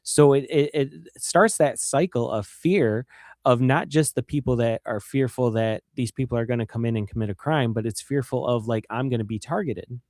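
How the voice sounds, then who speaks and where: A man's voice: mid-range voice, moderate pace, a little mellow, no room sound, clean studio sound. A man with a Michigan accent, a guest on a radio interview, talking earnestly and repeating words when he stresses a point.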